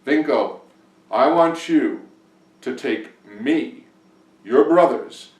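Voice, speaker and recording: Man putting on an imperious, loud storybook king. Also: mid-range voice, animated, drawn-out words, reverberant, distant mic. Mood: commanding. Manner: emphatic, loud, phrase-by-phrase commands. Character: imperious, demanding male folktale king, easily exasperated.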